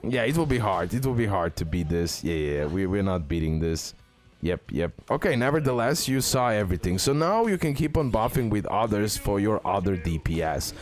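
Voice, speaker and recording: A man giving casual, excitable gameplay commentary, repeating words and talking straight to his viewers. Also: fairly low pitch, a little fast. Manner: excitable, repetitive, addresses viewers directly. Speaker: gaming content creator, host. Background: music.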